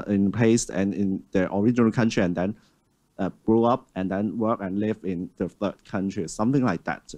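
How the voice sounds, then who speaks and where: Brief: male panel moderator, lowish voice, halting delivery full of fillers, auditorium stage. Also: a little mellow. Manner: halting, with many fillers and restarts. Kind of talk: conference panel discussion.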